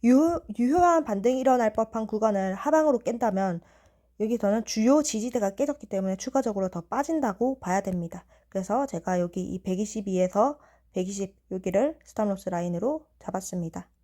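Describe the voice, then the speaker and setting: A young woman in her twenties calmly walking through stock chart analysis. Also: medium pitch, a little fast. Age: 20s.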